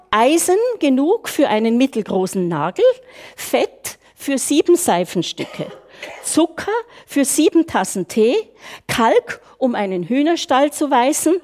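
Older woman, Swiss German accent, preacher, bright and lively pitch, chatty sermon. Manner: lively, conversational, with rhetorical questions.

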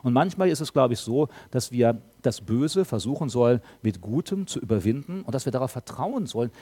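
A man's voice: medium pitch, lively intonation, a little fast, dark tone, breathy edge. A middle-aged man preaching a sermon in an emphatic way, full of rhetorical questions. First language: German speaker married to a Frenchwoman.

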